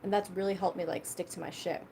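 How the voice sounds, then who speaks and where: A woman's voice: lowish voice, steady tone, quick pace, creaky, warm tone, a little hiss or hum. A young woman hosting a casual livestream, chatting loosely and swearing freely while she eats. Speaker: livestream host.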